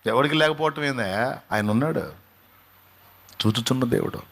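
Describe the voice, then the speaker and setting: A man preaching in a fervent sermon style. His voice has a middle pitch for a man. He swings between quiet pleading and loud, emphatic peaks, and acts out quoted lines with drama. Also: normal speed, gravelly. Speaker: pastor.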